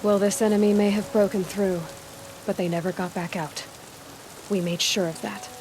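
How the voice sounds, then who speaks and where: A woman's voice: mid-range voice, fairly even intonation, moderate pace, noisy background, lightly acted. A woman playing a determined young tribal huntress in a video game, plain-spoken, sardonic and guarded. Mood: resolute. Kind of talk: video game cutscene acting.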